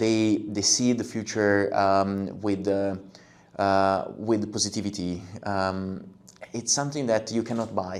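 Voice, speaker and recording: Speaking at a fairly slow pace with an Italian accent, a man keeps a fairly low pitch, fairly even intonation and very even loudness. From Italy. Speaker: tech company executive. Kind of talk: interview. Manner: halting, many fillers.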